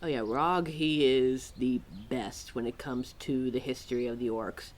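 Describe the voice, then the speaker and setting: A woman playing a quirky, exasperated, motherly keeper of forgotten lore in an ad-libbed audio roleplay, chatty and wry with halting, musing asides. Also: a bass voice, steady tone. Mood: musing, informative. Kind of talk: ad-libbed ASMR-style roleplay, talking to a listener.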